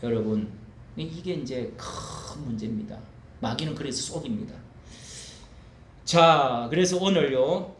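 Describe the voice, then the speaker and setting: A man preaching a sermon as a pastor, emphatic, swinging between loud bursts and low asides, in a church sanctuary. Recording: echoey hall, faint ambience.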